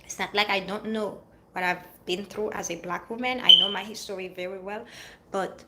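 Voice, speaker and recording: A woman's voice: medium pitch, steady tone, normal speed, heavy background noise. Earnest woman with a Haitian-French accent. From Haiti or France. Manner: earnest, preachy, repeats phrases for emphasis. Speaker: vlogger giving life advice. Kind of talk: motivational monologue.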